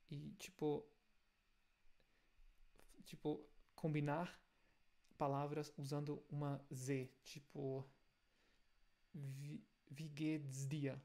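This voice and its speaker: A man with a German accent, a native German speaker, teaching German pronunciation in Portuguese, explaining step by step and repeating example sounds slowly. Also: a little high, a little mellow. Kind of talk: language lesson video.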